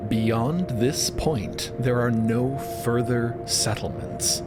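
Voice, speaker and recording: A man's voice: medium pitch, slow pace, loud music behind the voice. A man co-narrating a fantasy audio story in a scripted style with comic asides. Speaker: podcast co-narrator.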